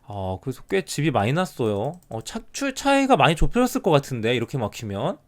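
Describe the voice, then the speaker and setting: A middle-aged man commentating live on an online Go game. He mutters counts of territory quietly, then breaks out in lively surprised remarks. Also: mid-range voice, a little fast. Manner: counts territory under his breath, then exclaims at turns.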